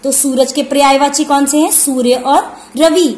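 A woman teaching young children, who explains slowly, asks questions and repeats and stresses key words. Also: high-pitched, fairly even intonation, a little mellow. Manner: calls the pupils 'beta' and asks questions before answering them. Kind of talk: online lesson for young children. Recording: echoey room.

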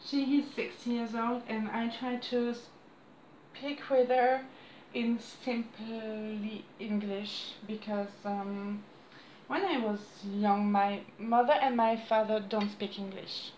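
A woman in her thirties with a French accent, chatting to camera at home in halting English, losing her voice. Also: fairly high pitch, little pitch movement, darkish tone, echoey room, slight background noise, low-quality recording. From France. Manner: halting non-native English with frequent restarts and apologies. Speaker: crafts vlogger. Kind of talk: casual chat to camera. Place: small room indoors at home. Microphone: camera on a desk close by.

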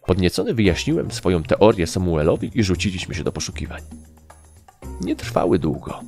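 Deep-voiced man narrating an audiobook, gravelly. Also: sing-song, brisk, a little mellow, faint music behind. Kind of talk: expressive scripted story narration.

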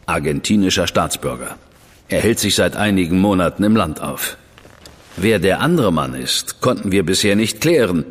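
An actor playing a composed, sardonic Victorian spymaster who briefs an agent in a measured way. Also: male voice, low voice, big-room sound. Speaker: senior crown official briefing an agent. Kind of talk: studio radio drama acting.

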